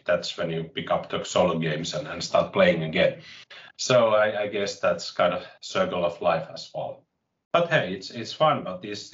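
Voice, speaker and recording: Finnish man near fifty, halting, low voice, echoey room, dull call audio. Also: far from the mic. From Finland. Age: late 40s. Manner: halting, restarts phrases often, wry self-mocking. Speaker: interview guest, tech consultant. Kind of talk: casual interview chat.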